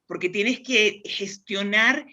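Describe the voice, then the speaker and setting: Speaking slowly in a medium-pitched voice that sounds pushed and bright, a Spanish woman with a Spanish accent explains demand planning. She's an interview guest, conversational and reflective, restarting her thoughts often.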